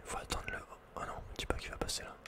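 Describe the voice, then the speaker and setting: Male, whispered, breathy and soft, ASMR gaming host, casual murmured commentary, slangy asides. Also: fast talker.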